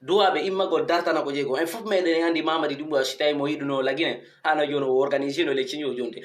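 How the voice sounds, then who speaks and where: A man's voice: fairly high pitch, fairly even intonation, fast talker. A man giving an informal, emphatic commentary to followers, often asking rhetorical questions. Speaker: online commentator addressing followers. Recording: echoey untreated room.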